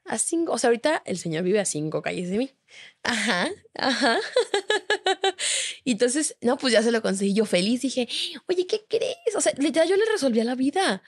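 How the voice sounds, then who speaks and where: A woman's voice: on the high side, moderate pace. A young adult woman with a Mexican Spanish accent, telling a gossip story in casual chat and acting out the voices of the people in it. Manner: animated storytelling, acting out quoted dialogue. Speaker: podcast guest.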